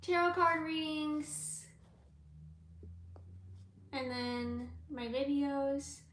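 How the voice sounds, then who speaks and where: A woman who reads tarot, chatting with viewers in a live question-and-answer stream. She rambles in a laid-back way and fills pauses with ums and likes. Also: high voice, a bit bright, slight background noise. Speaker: tarot reader and YouTuber. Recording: echoey room.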